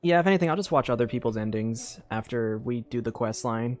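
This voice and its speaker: A streamer giving casual playthrough commentary, reacting in an excitable, gushing way. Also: medium pitch, a little fast, soft background music.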